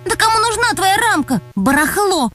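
A woman voicing a bossy, quick-tempered schoolgirl in a children's audio tale, high and whiny. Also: very animated, sharp tone, soft background music, exaggerated voice. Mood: angry. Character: bossy nerdy schoolgirl, sharp and easily angered. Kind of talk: audiobook character voice.

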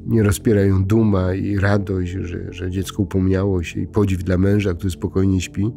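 Gravelly, mellow-voiced priest musing at bedtime. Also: male voice, deep voice, flat delivery, faint music behind. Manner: unhurried, conversational, many hesitations and restarts. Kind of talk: informal bedtime reflection.

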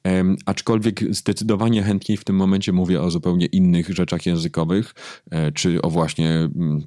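A man, a book editor, explaining his craft thoughtfully in an interview, pausing often with fillers. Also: deep voice, level tone, mellow, no echo, clean studio sound. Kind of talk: interview conversation.

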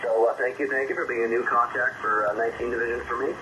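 A man chatting casually as a CB radio operator over a single-sideband link, folksy and hesitant, often pausing mid-phrase. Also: mid-range voice, fairly even intonation. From United States. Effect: single-sideband radio transmission. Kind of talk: casual two-way radio chat. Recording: muffled, noisy shortwave CB radio reception. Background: radio static.

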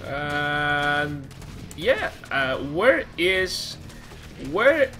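Man, esports caster, high lively voice, bright tone, playful and chatty. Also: drawn-out words, soft background music. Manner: playful, laughs often, animated. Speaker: esports commentator. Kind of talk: casual game commentary.

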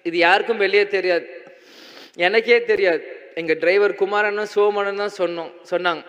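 Young man, tearful halting stage speech, high voice, muffled reverberant hall sound. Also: fairly even intonation, a bit bright. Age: young adult. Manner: halting, choked up, restarts often. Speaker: speaker at a memorial gathering. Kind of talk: emotional public speech. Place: large indoor stage. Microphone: handheld mic on a stand.

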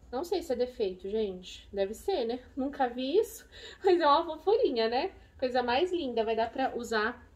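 A chatty, effusive woman with a Brazilian Portuguese accent, talking casually in a fairly high voice. She gushes freely as she walks through each item, sounding a little distant from the microphone. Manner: effusive and chatty, gushing over items. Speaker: vlogger, expecting mother. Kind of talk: casual shopping haul chat. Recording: voice a bit far from the mic.

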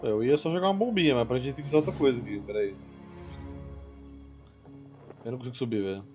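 A young Brazilian man chats casually while livestreaming a game. He sounds like an everyday player talking to his chat, with soft game music underneath. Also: mid-range voice, expressive, fast talker. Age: young adult. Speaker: game streamer. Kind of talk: casual live game commentary. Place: indoor room, seated at a computer.

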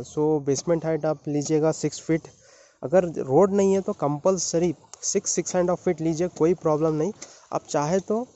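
A man's voice: on the high side, mellow, highs cut off. A young man talking casually through a walking tour of a construction site, mixing Hindi and English with fillers, recorded outdoors on a handheld phone. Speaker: civil engineering vlogger. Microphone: phone held at arm's length.

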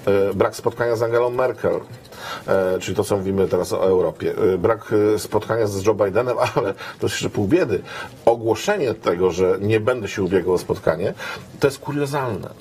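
A man's voice: lowish voice, moderate pace, a little mellow. A man in his fifties, a guest expert in a TV studio interview, speaking with frequent hesitant fillers and a wry tone, on a lapel mic. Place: TV news studio.

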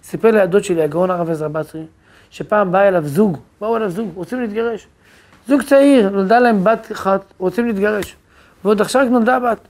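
A rabbi giving a religious lecture, telling family stories in a lively way that brings the people in them to life. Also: male voice, high voice. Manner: animated storyteller who acts out quoted voices.

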